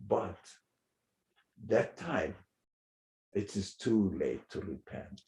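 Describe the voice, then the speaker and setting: A man explaining a religious text in an animated way, chuckling often and pausing to search for words. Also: lowish voice, vocal fry, roomy sound. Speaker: religious teacher.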